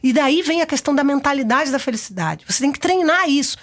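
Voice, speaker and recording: Animated Brazilian woman telling stories. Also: high voice, quick pace. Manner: animated, expressive storyteller. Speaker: guest. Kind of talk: casual conversational interview. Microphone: studio microphone.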